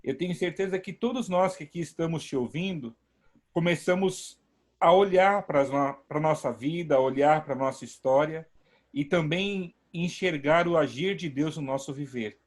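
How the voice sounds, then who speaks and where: A man's voice: fairly high pitch, normal speed. A man, a pastor hosting an online service from home, speaking emphatically and praising God. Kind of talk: warm preaching talk.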